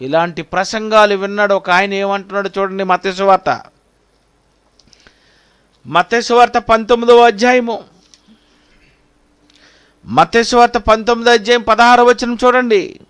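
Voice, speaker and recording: Very high-voiced man preaching a sermon. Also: normal speed, pauses often, fairly bright tone, clear, resonant tone. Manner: repetitive, questioning the listeners directly. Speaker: pastor.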